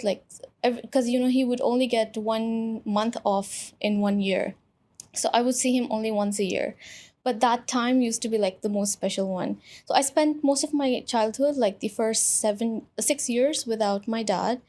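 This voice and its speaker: As a guest in a relaxed interview, a young Pakistani woman who is an influencer recounts her story in a chatty, filler-heavy way. Her pitch is fairly high and her tone is dark.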